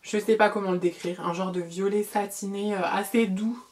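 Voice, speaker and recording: A middle-aged woman giving a casual makeup tutorial as a beauty vlogger, chatty, repeating words and filling pauses. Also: mid-range voice, fairly even intonation, a little mellow.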